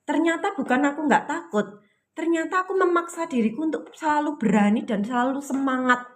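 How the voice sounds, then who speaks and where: A woman's voice: sits high, brisk. A woman hosting a casual live stream, giving a spiritual talk to her viewers in a chatty, repetitive way and reading their comments aloud. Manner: repetitive, chatty, often repeats phrases.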